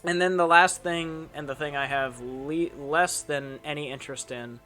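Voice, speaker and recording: A man's voice: on the high side, fairly even intonation, moderate pace, sharp tone, faint music behind. A young man hosting a casual chat, rambling with lots of fillers and restarts. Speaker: channel host.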